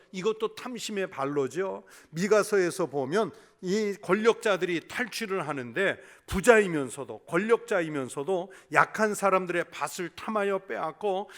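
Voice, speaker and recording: A male pastor preaching a sermon, putting rhetorical questions to the congregation and dropping to a hush for emphasis. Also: high-pitched.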